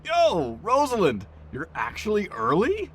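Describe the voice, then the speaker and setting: A man's voice: high-pitched, huge pitch swings, measured pace, fairly bright tone, exaggerated voice. An actor playing a boisterous, teasing train crewman in an audio drama, with a theatrical, chummy manner. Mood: cheerful. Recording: station ambience noise behind voice.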